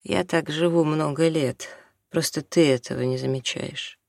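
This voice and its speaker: A reader voicing a patient husband who speaks softly and low, holding back hurt. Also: moderate pace, vocal fry, dry recording, studio quality, close to an everyday voice. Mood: hurt quiet. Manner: soft, low, restrained, calming. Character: quiet patient middle-aged husband and father.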